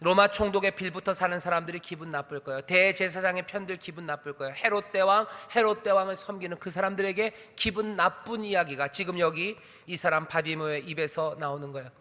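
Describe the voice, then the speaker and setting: A man's voice: high-pitched, a little fast, hardly any pauses, pushed and bright. A man preaching a Sunday sermon as pastor, emphatic and full of rhetorical questions to the congregation. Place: church sanctuary. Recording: church hall reverb.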